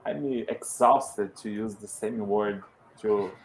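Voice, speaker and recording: A Brazilian man with a Portuguese accent who speaks English as a learner. He talks in a halting way, searching for words and restarting often. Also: fairly low pitch, creaky, a little hiss or hum, poor audio. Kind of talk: casual conversation in English as a second language.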